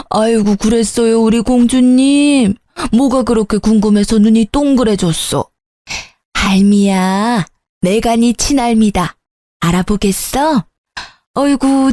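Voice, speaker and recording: An older grandmother past sixty, softened and remorseful, cooing over a baby and gruffly owning her mistakes, as a woman narrator puts her on. Her tone is warm and mellow, set in a dry, close recording for a spoken story. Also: on the high side, dry recording, natural voice. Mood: doting. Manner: doting baby talk, then gruff apology.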